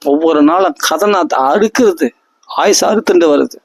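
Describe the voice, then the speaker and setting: Man, devotional discourse, slow chanted verses, fervent questioning, fairly high voice. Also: vocal fry, breathy edge, no echo. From India. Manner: chants verses slowly, then pleads with rising fervor. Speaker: religious storyteller.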